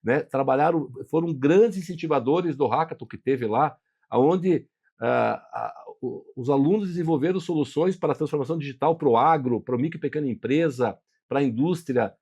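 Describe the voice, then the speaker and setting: A man's voice: on the high side, normal speed, a little mellow, slightly rough. A Brazilian man hosting an interview show, enthusiastically praising his guest and speaking directly to the audience. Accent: Brazilian Portuguese. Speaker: podcast host.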